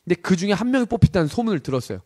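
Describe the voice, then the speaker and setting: A man's voice: high voice, very animated, rapid-fire. A man preaching a sermon, telling a personal story and often asking the congregation questions. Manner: storytelling, acts out shouted army commands. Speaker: pastor.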